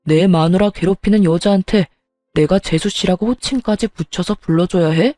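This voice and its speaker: A woman's voice: normal speed, dark tone, no echo, clean studio sound, faint music behind, close to an everyday voice. Woman playing a stern, furious husband. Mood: angry. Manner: low, firm, angry confrontation. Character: protective husband, man in 30s, stern and furious.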